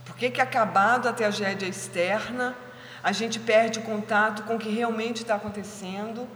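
Gentle woman telling a spiritual story. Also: mid-range voice, fairly even intonation, normal speed, slight background noise. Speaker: spiritual caretaker and speaker. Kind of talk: spiritual talk with personal storytelling. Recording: echoey hall with faint ambience.

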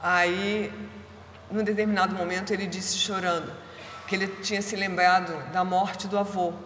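A woman giving a spiritual talk, calmly and gently telling a personal story. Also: medium pitch, moderate pace, a little hiss or hum. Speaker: spiritual caretaker and speaker. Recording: echoey hall with faint ambience.

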